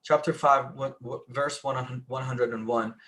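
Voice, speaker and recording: Man telling a story in halting restarts. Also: mid-range voice, steady tone, sharp tone, slight background noise. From Iran. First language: Persian. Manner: halting, many restarts, rising emphasis. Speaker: panelist. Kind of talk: live online discussion.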